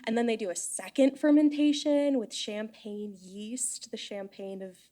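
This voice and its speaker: A woman's voice: fairly high pitch, measured pace, mellow. A woman hosting a live podcast in front of an audience, chatty and playful. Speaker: podcast host. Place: live event space with audience.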